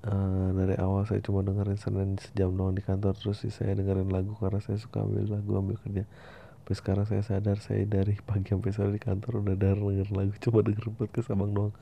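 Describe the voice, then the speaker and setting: A podcast host reads listener emails aloud, tossing in slangy asides and casual swearing. His voice is monotone, fast, creaky and mellow. The recording is dull and lo-fi, with a faint rumble underneath.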